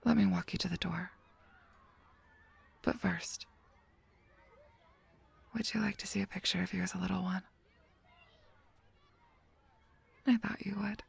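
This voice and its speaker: An actor playing a solemn, protective guardian angel in an audio drama, speaking gravely and formally with a husky voice. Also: medium pitch, steady tone, exaggerated voice. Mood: firm, calm. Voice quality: husky, breathy, creaky voice. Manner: grave, measured, formal speech. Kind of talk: scripted audio roleplay acting.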